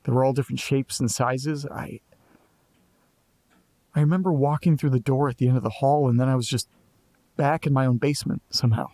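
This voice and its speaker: A man plays a restless young man in an audio drama who talks in wry asides while he pieces a mystery together. His voice sits at an ordinary middle pitch, and it is recorded dry and close with no room sound. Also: warm tone, no room sound, natural voice. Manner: sardonic, restless, quick to jump to conclusions. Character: Nate, anxious young man chasing a mystery.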